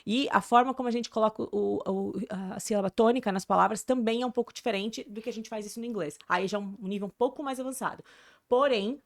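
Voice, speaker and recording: Woman, from Brazil, English teacher, rapid, chatty, interview guest. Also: on the high side. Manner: fast, chatty, promotional. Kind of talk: casual interview chat.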